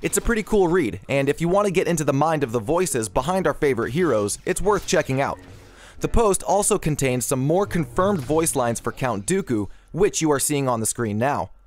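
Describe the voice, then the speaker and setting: A man's voice: on the high side, sing-song, a little fast, darkish tone. A man presenting scripted video game news commentary as the host of an online channel.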